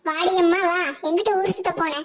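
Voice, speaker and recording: Older cartoon grandmother, bossy mother-in-law, nagging, shrill high voice. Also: steady tone, fairly quick, noisy background. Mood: scolding. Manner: scolding, nagging, rustic.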